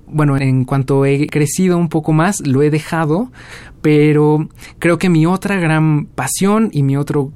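Hombre joven de voz suave. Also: male voice, fairly high pitch, dry recording. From Mexico. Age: 20s. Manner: relaxed storytelling with fillers. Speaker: guest musician. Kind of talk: interview answers.

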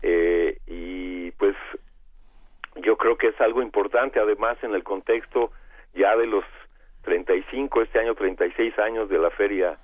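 A man with a Mexican accent and a hoarse, cavernous voice from bronchitis, speaking haltingly as a guest in a radio interview over a phone line. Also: lowish voice. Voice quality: cavernous, congested voice. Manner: halting, hesitant, searching for words.

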